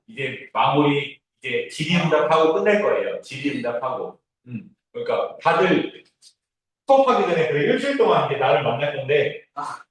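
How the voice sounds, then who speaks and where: A man giving an informal, easygoing orientation talk to a class as their instructor, reassuring and often checking that listeners follow. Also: fairly high pitch. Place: indoor classroom, recorded from a distance. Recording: very echoey room, distant mic.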